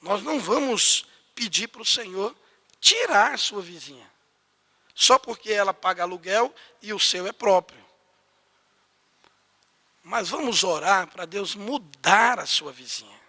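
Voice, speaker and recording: A man's voice: sits high, lively intonation, a little slow, long pauses, bright, forceful tone. A male pastor preaching a storytelling sermon, acting out dialogue and building to emphatic exhortation. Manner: acts out quoted dialogue, rising to emphatic exhortation.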